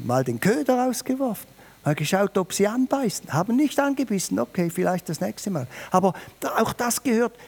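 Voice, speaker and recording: A man preaching a New Year sermon, emphatic and lively, speaking directly to his listeners. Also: gravelly. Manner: lively, emphatic, varies pitch and volume, addresses listeners directly.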